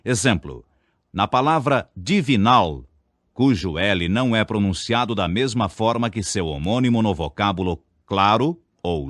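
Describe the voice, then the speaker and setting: A Brazilian man reads a scripted diction lesson, sounding every syllable of his examples with care. His low voice moves through a wide, lively range. The recording is close and dry. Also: dry recording. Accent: Brazilian Portuguese. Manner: deliberate, over-enunciates example words. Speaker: speech teacher.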